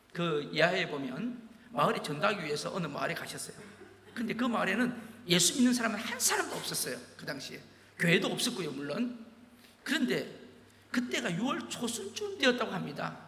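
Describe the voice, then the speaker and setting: A man preaching a sermon as pastor, telling stories and firing rhetorical questions at the congregation. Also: high voice. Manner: animated storytelling with rhetorical questions. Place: large church sanctuary. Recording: echoey church hall.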